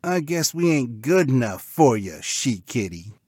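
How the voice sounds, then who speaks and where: A man voicing immature, girl-crazy young pig brothers in a storybook, excitable and whiny, talking in bro slang. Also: medium pitch, a little slow, husky, no echo, studio quality, voice pushed up. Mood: whiny, let down.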